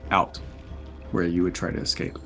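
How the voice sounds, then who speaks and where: A man's voice: low voice, steady tone, moderate pace, creaky, bright, forceful tone, faint music behind. A man narrating and calling for dice checks as game master of a tabletop game. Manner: descriptive, calls for dice checks.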